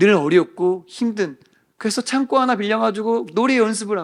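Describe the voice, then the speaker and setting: A man talks with a high voice, keeping to a moderate tempo. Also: very clean recording, silent background. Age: 40s. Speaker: pastor. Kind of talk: sermon. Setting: church. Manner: conversational.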